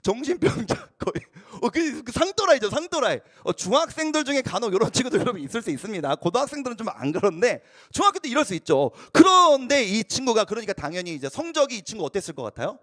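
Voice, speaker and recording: Man, youth pastor, high and very lively voice, dry close sound. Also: fast talker, few pauses, dry recording. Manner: animated storytelling, acts out quoted lines. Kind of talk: casual youth sermon.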